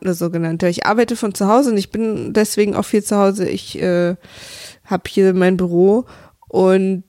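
A woman rambles through a casual podcast monologue from her home office, full of fillers and quick laughs. Her voice sits at an ordinary middle pitch. The sound is dry and close. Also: darkish tone, no echo. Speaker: podcast host.

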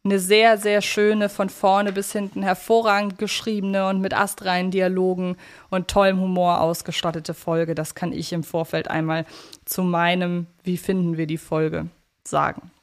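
A woman's voice: lowish voice, flat delivery, normal speed. A woman co-hosting a casual fan podcast, talking in a chatty, reflective way. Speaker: podcast co-host.

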